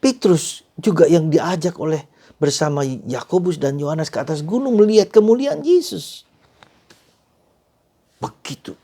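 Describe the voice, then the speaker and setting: A man preaching a sermon after an opening prayer, moving between soft whispered phrases and loud emphatic lines. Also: on the high side, expressive, measured pace, pauses often. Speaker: priest.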